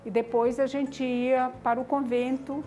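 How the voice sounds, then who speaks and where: A woman's voice: high voice, level tone, measured pace, warm tone, faint music behind. Older woman telling her story. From Maranhão, Brazil. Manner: reflective, frequent "né?" and "tá entendendo?" tags. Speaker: community founder. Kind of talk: personal life story interview.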